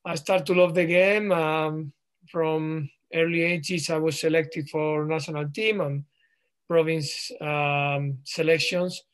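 A man in his thirties from Spain with a Spanish accent, answering interview questions in English with frequent pauses and restarts. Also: on the high side, fairly even intonation, smooth. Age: 30s. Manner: halting, frequent ums and restarts. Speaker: guest, professional footballer.

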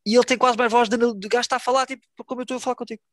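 A man's voice: very high voice, steady tone, rapid-fire, no echo, clean studio sound. A young man in casual podcast chat, slangy, repeating words as he searches for phrasing and mixing in English. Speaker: wrestling podcast co-host.

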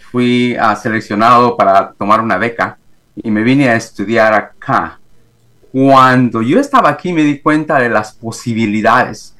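A middle-aged man from Guatemala, speaking with a Guatemalan Spanish accent on a video call from home, telling his story haltingly with many fillers and restarts. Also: medium pitch, bright, forceful tone. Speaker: guest, executive coach. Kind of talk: remote interview, reflective storytelling. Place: home, in the morning.

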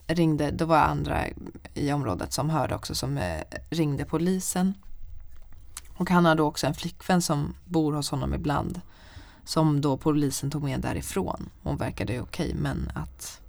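A young woman chatting casually, telling a story in a lively way and swearing often. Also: low-pitched, creaky, dry recording.

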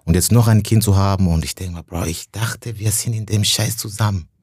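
A young adult man from Burundi, a stand-up comedian, talking casually and emotionally as a podcast guest, slangy and full of halting restarts. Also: sits low, a little mellow, slightly rough, dry recording, studio quality. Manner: slangy, says "bro" often, halting restarts.

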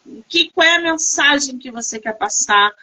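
A woman's voice: high-pitched, lively intonation, normal speed, bright, forceful tone. A Brazilian woman hosting a casual interview, addressing the guest directly in short, emphatic phrases. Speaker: interviewer, host.

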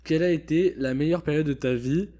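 This is a young man hosting a casual chat, with a relaxed, chatty way of talking. His voice is mellow and warm. He leans on fillers while he steers the conversation. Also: a little high, a little fast. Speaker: host.

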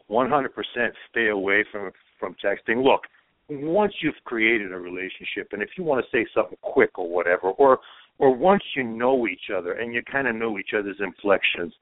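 A man's voice: lowish voice, no room sound. A man from Croatia giving emphatic dating advice as a guest, often tagging his points with "okay?", heard over a phone-like line. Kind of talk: casual chat advice.

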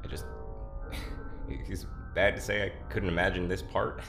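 An actor playing an earnest, anxious prisoner in an audio drama, speaking haltingly. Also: sits low, level tone, over music. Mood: wistful, hesitant. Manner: hesitant, halting. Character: anxious, earnest prisoner, hesitant conspirator in escape.

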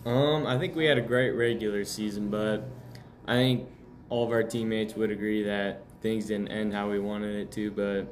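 Teen male, fairly low pitch, monotone, understated casual interview answers. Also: moderate pace, slight background noise. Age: teens. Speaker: high school athlete interviewed.

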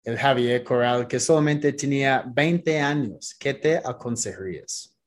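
A man's voice: medium pitch, unhurried. A man hosting an interview in his second language, upbeat, talking to the listeners and often checking in with "ok?". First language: not Spanish. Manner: upbeat, addresses listeners, frequent "ok?". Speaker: host.

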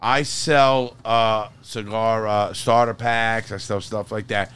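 A man hosting a casual podcast in an RV, a loud, laughing storyteller who jokes and swears freely. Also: fairly low pitch, fairly even intonation, takes it slowly. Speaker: podcast host. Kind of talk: casual chat.

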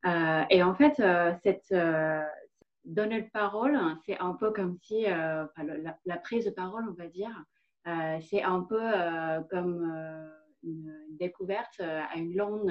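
Hesitant Vietnamese-accented woman, low voice. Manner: hesitant, many fillers and restarts. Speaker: guest. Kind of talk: personal story in a podcast interview. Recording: dull lo-fi recording.

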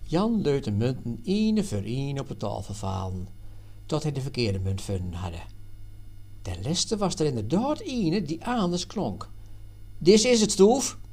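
A man reading a story aloud as narrator in a plain, steady way. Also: mid-range voice, measured pace.

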